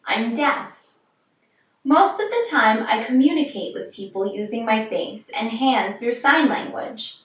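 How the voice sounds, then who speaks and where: A woman reads a children's picture book aloud in a fairly high voice. Her delivery is measured and expressive, with a lively, swinging intonation. She sounds set back from the microphone in a room. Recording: distant, very echoey room.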